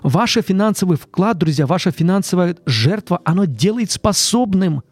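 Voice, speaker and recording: A man's voice: sits high, lively intonation, moderate pace, dry recording. A man hosting a live Christian radio fundraising appeal, speaking earnestly, often repeating "friends" and restarting his phrases.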